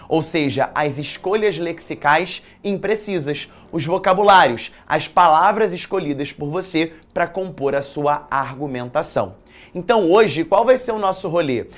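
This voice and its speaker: Streaming from a studio in a commercial building, a man with a Brazilian accent and a slightly high voice leads a live exam-prep writing lesson online. He keeps it chatty and energetic, quizzing his audience and dropping in slangy remarks.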